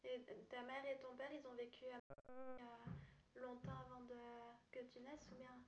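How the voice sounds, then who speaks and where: A woman's voice: high-pitched, flat delivery, normal speed, slight background noise. A woman interviewing someone, asking short questions and prompting her answers. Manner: brief prompting questions and backchannels. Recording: echoey room recording.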